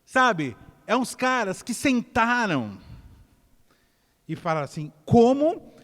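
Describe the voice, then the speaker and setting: A man with a Brazilian Portuguese accent, preaching a sermon as a pastor in an animated way and calling out to his congregation. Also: sits high, takes it slowly. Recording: long church-hall reverb.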